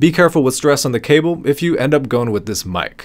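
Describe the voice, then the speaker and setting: Very fast speech with lively intonation against a quiet background. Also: man. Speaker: tech reviewer. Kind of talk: product review commentary. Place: home room. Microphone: studio mic.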